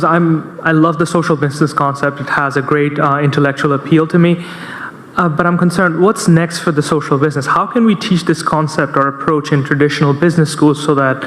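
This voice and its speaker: A man's voice: a little high, fairly bright tone. A young man from Bangladesh in the audience, asking a polite question hesitantly with many fillers. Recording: long hall reverb.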